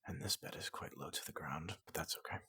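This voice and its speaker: A person softly voicing a large, gentle robot doctor in an ASMR roleplay, often whispering, speaking slowly and haltingly to reassure a patient. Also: extremely low pitch, breathy edge, no echo, clean studio sound. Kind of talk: soft-spoken ASMR roleplay.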